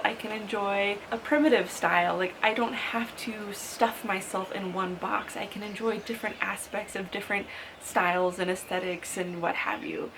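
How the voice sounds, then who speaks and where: A woman's voice: medium pitch, creaky, a bit bright, slight background noise, rough recording. A woman of thirty talking to camera in a casual sit-down vlog, chatty and upbeat, full of "like" fillers. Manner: chatty, frequent "like" fillers, upbeat with light laughs. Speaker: lifestyle vlogger.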